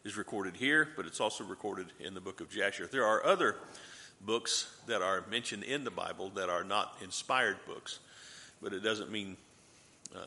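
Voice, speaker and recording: Man, Bible teacher, bright forceful voice, asks and answers his own questions, long hall reverb. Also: fairly low pitch. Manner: asks the class questions and answers them himself; light joking asides. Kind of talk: Bible class review lesson.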